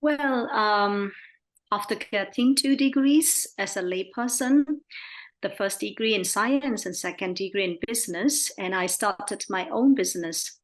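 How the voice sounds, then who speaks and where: Slow-spoken Burmese woman, gentle nun. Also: mid-range voice, rough recording. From Burma. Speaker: Buddhist nun, interview guest. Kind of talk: casual interview answers.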